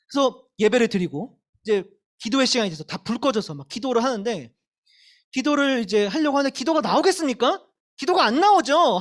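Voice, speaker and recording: Young woman youth preacher, candid storytelling, high and very animated delivery. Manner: candid, animated storytelling with self-deprecating laughs. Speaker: youth pastor. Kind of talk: sermon to middle schoolers. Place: church service.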